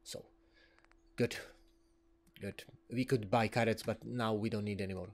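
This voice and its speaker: A man's voice: on the low side, steady tone, measured pace. A man giving casual, rambling commentary while playing a video game, often chuckling. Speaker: let's play gamer.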